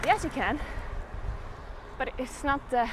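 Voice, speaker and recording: A woman's voice: high voice, lively intonation, takes it slowly. A German-speaking woman chatting with her live viewers while cycling outdoors, laughing often and out of breath. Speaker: streamer. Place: outdoors on a road while biking. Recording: outdoor wind and traffic noise.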